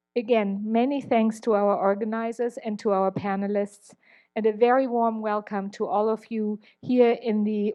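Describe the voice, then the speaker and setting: A woman with a German accent, fairly high in pitch, at a moderate pace with fairly even intonation. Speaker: university dean and historian. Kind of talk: formal welcome speech. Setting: classroom event with Zoom audience. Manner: formal.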